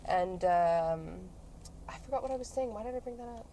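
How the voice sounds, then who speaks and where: A woman's voice: mid-range voice, moderate pace, mellow, low-quality recording. A woman hosting a casual, playful podcast chat in a car, slangy and swearing now and then. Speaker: podcast host and ASMR creator. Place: inside a car on the road. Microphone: podcast microphones, portable. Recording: clear car and road noise.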